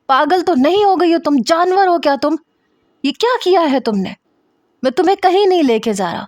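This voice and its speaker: A woman's voice: a little high, lively intonation, dry recording, voice pushed up, lightly acted. Brief: woman reading a fed-up young husband, scolding, storybook drama. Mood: angry. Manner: scolding, sharp. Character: young husband, angry and worn out.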